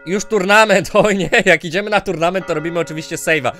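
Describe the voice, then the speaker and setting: A young man with a high, bright voice gives let's play commentary over faint game music. He mutters plans under his breath, then bursts into loud, excitable yelling at the game. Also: quick pace. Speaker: gaming YouTuber.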